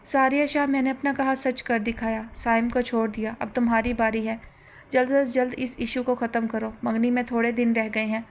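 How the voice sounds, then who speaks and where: Menacing guy making threats in a story, woman reading, cold, bossy, fairly high voice. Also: flat delivery, normal speed, slight background noise, close to an everyday voice. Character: cold menacing man, a blackmailer.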